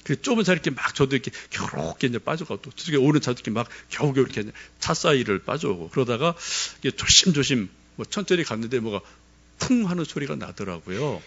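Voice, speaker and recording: A man's voice: mid-range voice, big pitch swings, fast, fairly bright tone, slightly rough, muffled recording. A middle-aged male pastor giving a sermon, telling a personal story and putting questions straight to the congregation.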